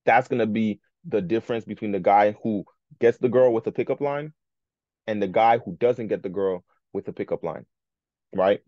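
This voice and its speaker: A man teaching cold calling in a casual training call, saying "right?" after almost every point and acting out sample sales pitches. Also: normal speed, dry recording, lo-fi sound. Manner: informal, keeps adding "right?", acts out sample sales pitches.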